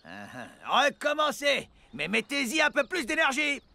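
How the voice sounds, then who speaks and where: Small, earnest cartoon gardener-inventor, hugely animated pitch, formal, hesitant and apologetic. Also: male voice, normal speed, creaky, background noise, heavily acted. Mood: eager. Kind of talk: children's cartoon dub acting. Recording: music behind the voice.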